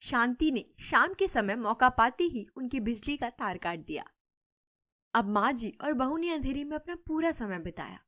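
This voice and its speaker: Woman narrating a storybook, fairly high voice. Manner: steady storybook telling. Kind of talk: scripted narration.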